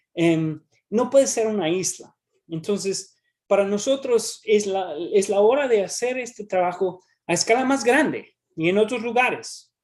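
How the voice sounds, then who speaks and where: A man talks at a fairly slow pace with a high pitch. His pitch varies in an ordinary way. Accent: English. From United States. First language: English (speaking Spanish). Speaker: history professor and researcher. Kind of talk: conference lecture. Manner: halting, with frequent repetitions and fillers.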